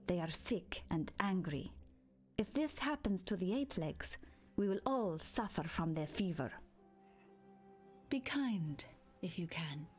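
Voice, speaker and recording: Slow, solemn tribal mystic. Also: female voice, lowish voice, darkish tone, breathy edge. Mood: grave, gentle. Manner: measured, cryptic. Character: solemn mystical tribal spirit healer woman. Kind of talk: video game character dialogue.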